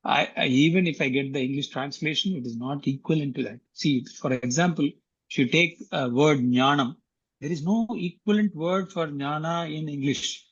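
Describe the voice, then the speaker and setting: A man's voice: fairly high pitch, normal speed, husky, dull audio. A man from Tamil Nadu speaking as a guest, explaining earnestly and often repeating himself. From Tamil Nadu, India. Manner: earnest, repeats words, frequent fillers. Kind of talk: casual explanatory talk on an online call.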